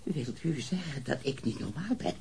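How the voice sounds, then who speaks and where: An actor playing a disturbed, prudish murder suspect in a radio crime drama, halting, repetitive and defensive. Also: male voice, medium pitch, animated, creaky, darkish tone, husky, full character voice. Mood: wounded, defiant. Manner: halting, repeating himself, defensive.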